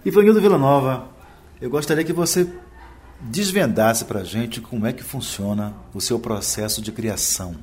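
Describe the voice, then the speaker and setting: A male interviewer who introduces the segment and asks measured, formal questions. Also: mid-range voice, darkish tone.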